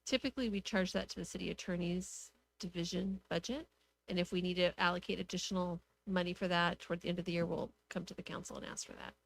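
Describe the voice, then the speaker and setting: A woman speaking as a city official, giving measured, matter-of-fact explanations at a public meeting. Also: on the low side, steady tone, rough recording. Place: council meeting room. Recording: clear background noise and hum.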